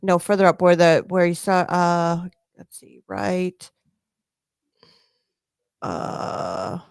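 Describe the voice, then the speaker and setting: Brief: female co-host, lower voice, rambling and casual, swears, very dry mic. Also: big pitch swings, slow, creaky, smooth, no echo. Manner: rambling, many "like" fillers, swearing. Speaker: podcast co-host. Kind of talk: casual podcast chat.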